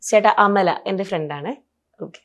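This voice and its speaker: A woman's voice: mid-range voice, moderate pace. A woman with a Kerala Malayali accent hosting an interview in a casual, chatty style. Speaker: interview host. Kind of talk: casual chat.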